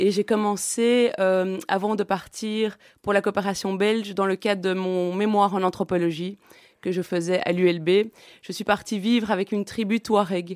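Her medium-pitched voice stays monotone and flat as the woman talks at a fairly slow pace, in a dry, close sound with no echo. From Flemish Brabant, Belgium. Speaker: startup founder, anthropologist. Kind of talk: radio interview.

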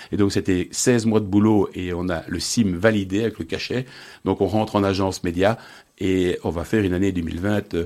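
His pitch is fairly low and his intonation fairly even, captured in a very clean recording with a silent background as the man talks. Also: moderate pace. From Belgium, Brussels. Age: 40s. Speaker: entrepreneur. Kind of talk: radio interview.

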